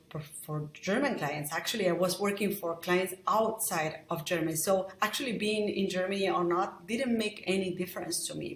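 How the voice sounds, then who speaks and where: Woman podcast host from Argentina, lower voice, thinking aloud, echoey room. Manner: reflective, many restarts and "right?" tags. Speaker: podcast host, lettering artist. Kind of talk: solo podcast monologue.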